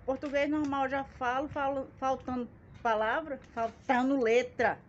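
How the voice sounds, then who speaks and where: A woman's voice: sits high, flat delivery, normal speed. A Brazilian woman in her forties chatting casually to her phone at arm's length, with a folksy, self-mocking, jokey manner. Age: 40s. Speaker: plant channel vlogger. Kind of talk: casual chat to camera. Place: small outdoor plant-filled yard by a wall. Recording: dull phone audio with background noise.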